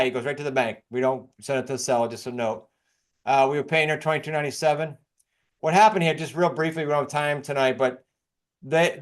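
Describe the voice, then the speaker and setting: Talking quickly and casually, a real estate coach walks through case studies. He's a middle-aged or older American man from New England, and his voice is a little high.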